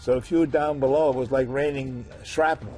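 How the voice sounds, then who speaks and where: Music plays in the background as a man with an American accent speaks at a moderate pace. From New London, Connecticut. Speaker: World War II veteran, former rifleman. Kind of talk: interview answer.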